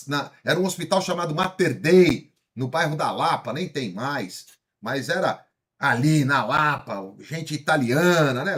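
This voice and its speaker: Speaking with a paulistano accent, this São Paulo man in his fifties gives a lively motivational talk in Brazilian Portuguese. His pitch is fairly high with a breathy edge, and he regularly poses questions to the audience and leans on tag questions.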